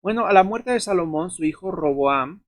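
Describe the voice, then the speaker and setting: A man's voice: high-pitched, lively intonation, moderate pace, no room sound. A man giving an unscripted Catholic Bible lesson, explaining step by step with frequent fillers and tag questions. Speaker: Catholic teacher.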